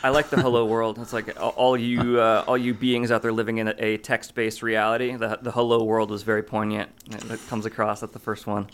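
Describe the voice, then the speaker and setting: Relaxed man in casual podcast chat. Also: fairly low pitch, fairly quick, few pauses. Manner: relaxed, hesitant, lots of "like" and "uh" restarts. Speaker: podcast co-host.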